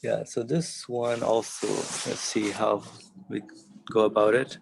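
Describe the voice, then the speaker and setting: A man's voice: lowish voice, flat delivery, slow, gravelly, a little hiss or hum, poor audio. A man moderating an informal religious study discussion over a video call.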